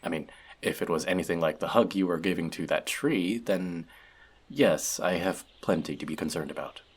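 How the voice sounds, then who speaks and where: A man's voice: low-pitched, slightly rough. A man playing an earnest, bookish elf outcast in an audio roleplay, confiding in a friend in a hesitant, self-doubting way. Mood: teasing, concerned. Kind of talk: scripted audio roleplay addressed to the listener.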